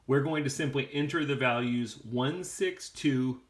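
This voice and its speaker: A man's voice: mid-range voice, measured pace. A man explaining things step by step in a plain-spoken, casual how-to style. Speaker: how-to video host.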